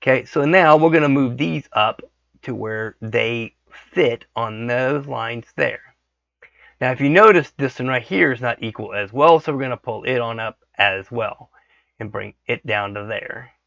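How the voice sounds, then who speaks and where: Brief: hoarse man, bright gravelly voice, relaxed tutorial talk, dry dull desk-mic sound. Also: mid-range voice, unhurried, dry recording. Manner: thinks aloud, frequent "okay" checks. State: hoarse from a cold. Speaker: 3D modeling tutorial host. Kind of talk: casual screen-recorded tutorial.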